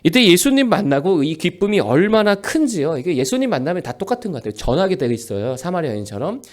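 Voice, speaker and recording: Male pastor in his forties, high voice, lively animated preaching, emphatic rhetorical questions. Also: quick pace. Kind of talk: sermon.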